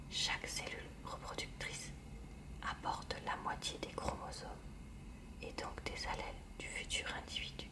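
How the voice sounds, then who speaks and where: A woman reading a textbook aloud in a hushed library whisper for ASMR, with short informal asides. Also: recorded from a distance.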